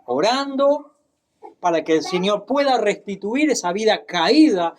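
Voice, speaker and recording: A man preaches at an unhurried, measured pace. He keeps checking in with his congregation and lifts into dramatic emphasis when he reads from the Bible. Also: sits high, lively intonation. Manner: deliberate, tag questions, dramatic Bible reading. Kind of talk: sermon.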